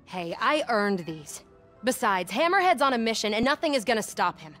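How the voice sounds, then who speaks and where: Sly Black Cat, cool and teasing. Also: female voice, a little high, sing-song, moderate pace, fairly bright tone, soft background music. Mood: smug, teasing. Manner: teasing, cool, self-assured. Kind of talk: cinematic game voice acting.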